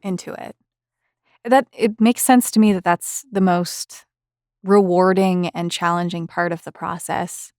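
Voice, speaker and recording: A woman's voice: lowish voice, steady tone, unhurried, darkish tone, no room sound, studio quality. A woman hosting a conversational interview, reading out questions and responding to the answers. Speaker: interviewer, host.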